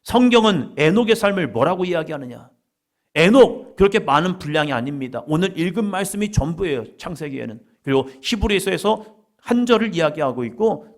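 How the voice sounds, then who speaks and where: Fervent preaching man. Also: sits high. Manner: emphatic preaching with rising fervor and repetition. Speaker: pastor. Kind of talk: sermon. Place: church.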